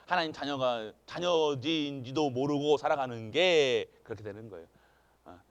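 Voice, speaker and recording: A male pastor preaching in a church, his voice pitched high for a man. He keeps asking the congregation questions. He moves from loud, pressing emphasis to quiet, hushed asides. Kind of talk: sermon. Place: church sanctuary.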